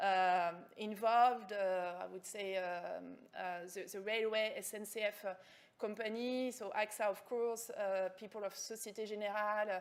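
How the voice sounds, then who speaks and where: A woman speaks with a French accent at a moderate pace. Her medium pitch keeps a fairly even intonation. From France. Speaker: enterprise architect. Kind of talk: conference talk. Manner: halting.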